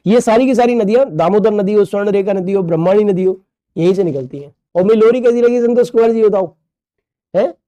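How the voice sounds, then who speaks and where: High-pitched guy teaching a recorded class, jokey, keeps asking questions and repeating stuff, super dry sound. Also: fairly quick, dark tone, no echo. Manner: playful, repeats key terms, asks rhetorical questions. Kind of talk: recorded online class lecture.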